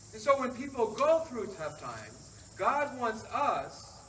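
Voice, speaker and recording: A man's extremely high, raised and projected voice with a Southern US accent and ordinary pitch variation, over light background noise. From US South. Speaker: pastor. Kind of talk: sermon. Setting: outdoor church service. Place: garden. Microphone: camera far.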